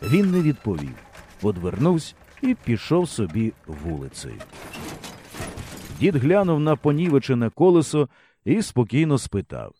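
Lively, mellow-voiced male audiobook narrator. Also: mid-range voice, normal speed, slight background noise. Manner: lively storyteller's delivery. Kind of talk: expressive audiobook reading.

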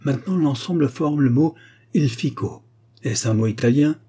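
A man lifts his voice to play a quick-witted young gypsy woman in an audiobook. She is firm and sharp-tongued. The tone stays mellow and a little husky. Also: medium pitch, pitched above the performer's own voice, lightly acted.

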